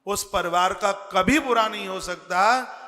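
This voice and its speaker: A man preaching a devotional sermon, speaking slowly and earnestly and chanting scripture verses. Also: sits high, bright, forceful tone, in a large hall. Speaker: religious preacher.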